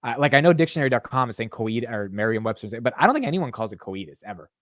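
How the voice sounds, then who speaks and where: A young man hosts a casual livestream, joking with his viewers and arguing playfully. His delivery is animated and self-mocking, with a mid-pitched voice. The sound is dry and close-miked. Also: fast talker, no room sound. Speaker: livestream host.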